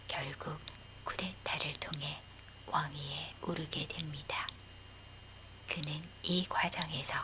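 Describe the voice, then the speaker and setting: A woman narrating a scripted historical bedtime story in a breathy, unvoiced whisper. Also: deep voice, bright, forceful tone, a little hiss or hum.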